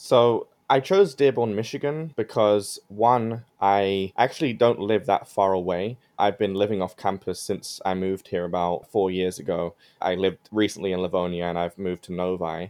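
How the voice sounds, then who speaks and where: The delivery moves at a moderate pace with a London accent. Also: man, fairly low pitch for a man, ordinary pitch variation. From London, England. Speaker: linguistics PhD student. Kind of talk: interview about research. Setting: radio studio.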